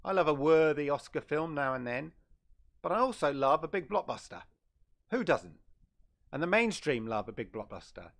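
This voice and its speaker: A man's voice: fairly high pitch, sing-song, moderate pace, fairly bright tone. A middle-aged man hosting a casual gaming livestream, chatting loosely and often correcting himself. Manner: rambling, chatty, self-correcting. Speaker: gaming channel host.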